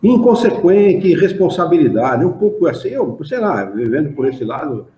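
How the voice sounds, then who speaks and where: A Brazilian man leads a study group in an echoey hall, his voice swooping up and down as he chats and reads aloud. His tone is dark and mellow. The recording sounds muffled and dull. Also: on the high side, moderate pace. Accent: Brazilian Portuguese. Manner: animated, chatty, asks the group for agreement. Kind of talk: informal study talk and reading aloud. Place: study hall of a spiritist association.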